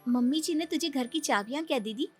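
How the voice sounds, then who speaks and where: A woman's voice: lively intonation, fairly quick, no echo, soft background music. A woman voicing a pushy, sulky young wife in a Hindi cartoon, pleading and huffy by turns. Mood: demanding. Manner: pleading then huffy, high-strung.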